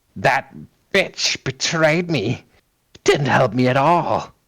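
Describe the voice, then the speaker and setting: This put-on character voice growls at a low-to-middle pitch. It moves at a very slow pace. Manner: growling, bitter.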